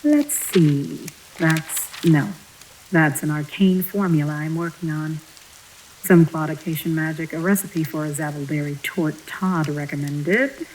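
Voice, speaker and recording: A woman's slightly low voice belongs to a courteous manor attendant. She is composed and formal, with an uncanny politeness. The audio drama has faint hiss and rain behind her. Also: measured pace, darkish tone, low-quality recording. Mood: composed, polite.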